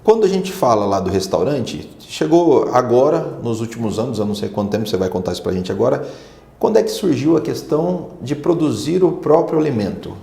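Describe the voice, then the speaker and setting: A man's voice: medium pitch, animated, brisk, creaky, dark tone, reverberant. A man hosting a casual business interview, chatty and steering his guest with prompts. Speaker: host.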